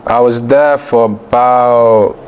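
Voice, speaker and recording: A man's voice: mid-range voice, slow pace, lo-fi sound, slight background noise. A man with an international British accent, chatting easily as a guest jeweler in a casual interview. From Belgium. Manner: relaxed, talks in loose run-on phrases.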